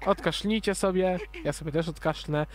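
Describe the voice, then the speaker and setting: A woman's voice: fairly low pitch, moderate pace. A young woman casually giving cues and instructions during a studio recording session. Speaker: recording director. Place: small academic radio studio. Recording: noisy studio with clicks.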